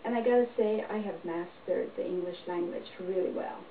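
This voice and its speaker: A middle-aged woman performer giving a deadpan, tongue-in-cheek monologue to camera. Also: lowish voice, fairly quick, soft background music. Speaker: comedy performer. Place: small indoor room, plain wall. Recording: echoey, distant, dull home recording.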